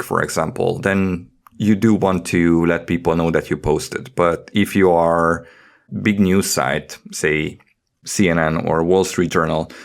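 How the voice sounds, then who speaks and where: A man with a quite low-pitched voice chats as a podcast co-host. He explains his points informally, working through examples in a tentative, conversational way. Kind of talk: casual podcast discussion.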